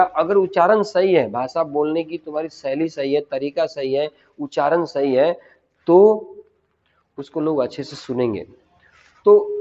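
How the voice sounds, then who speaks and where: A man with a fairly high voice and a teaches spoken to a class. He drills words slowly and repeats them for practice. The recording sounds dull and lo-fi. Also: darkish tone. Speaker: English teacher. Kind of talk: spoken English lesson in Hindi.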